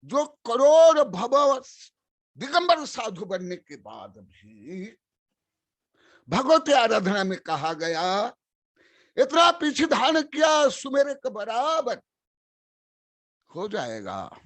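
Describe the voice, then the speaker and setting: An older man preaching as a monk, pressing each point with slow, deliberate emphasis and coming back to it again and again. His voice sits high for a man and is heard dry and close, with no room around it. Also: sing-song, a bit bright, no echo. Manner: slow, emphatic and repetitive, reciting verses. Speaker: Jain monk and spiritual teacher. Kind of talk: sermon.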